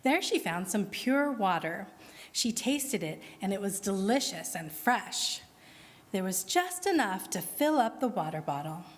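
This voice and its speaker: A woman reading a story aloud at a worship service, slow and expressive. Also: mid-range voice, big-room sound. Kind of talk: storytelling narration. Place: congregation meeting hall.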